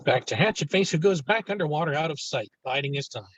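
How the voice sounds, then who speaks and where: A man's voice: fairly high pitch, animated, fast, a bit bright, no room sound, highs cut off. A man reading stage directions as narrator in a virtual table read of a film script.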